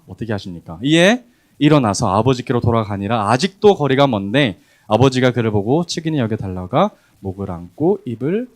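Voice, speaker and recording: A man preaching a sermon, acting out the quoted voices with animated emphasis. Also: mid-range voice. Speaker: pastor.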